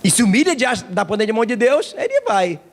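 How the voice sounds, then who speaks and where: A male pastor preaching at a church service. His voice sits high for a man and jumps all over the place. A gravelly, creaky texture runs through his animated storytelling. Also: a little fast. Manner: animated storytelling with acted quotes. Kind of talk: sermon.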